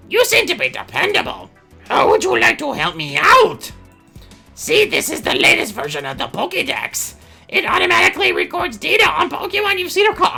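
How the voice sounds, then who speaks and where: A man puts on a strained character voice at an extremely high pitch, talking at a fairly quick pace as faint music plays in the background. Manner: strained, cartoonish.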